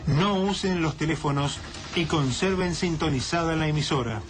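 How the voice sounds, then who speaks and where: An actor playing a solemn radio newsreader delivering an emergency bulletin in a formal, measured way. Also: male voice, fairly high pitch, music in the background, natural voice. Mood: solemn, warning. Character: grave male radio newsreader in an alien-disaster emergency bulletin. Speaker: radio newscaster. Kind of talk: dramatized emergency news bulletin.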